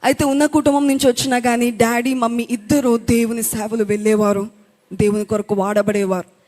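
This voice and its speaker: A woman's voice: a little high, little pitch movement, a little fast, a little mellow. A woman earnestly telling her testimony at a church youth event. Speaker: speaker giving testimony. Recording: long hall reverb.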